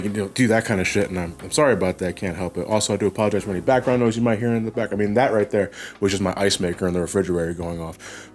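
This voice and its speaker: A man's voice: sits low, darkish tone. A man hosting his own video channel, speaking in a loose, casual chat full of swearing and stumbling restarts while congested with a cold, recorded at home. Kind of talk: casual update chat to viewers. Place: at home, indoors.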